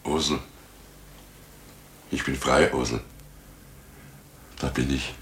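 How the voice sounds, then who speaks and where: An actor in a German radio play, playing a guilty, domineering and slyly jovial village innkeeper with a gravelly voice. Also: male voice, very deep voice, fairly even intonation, slow pace, a bit bright, a little hiss or hum, heavily acted. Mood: coaxing.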